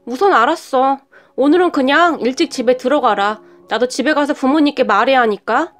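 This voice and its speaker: A woman's voice: high voice, fairly quick, faint music behind, lightly acted. A woman doing a curt, selfish young boyfriend. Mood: irritated. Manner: curt, irritated.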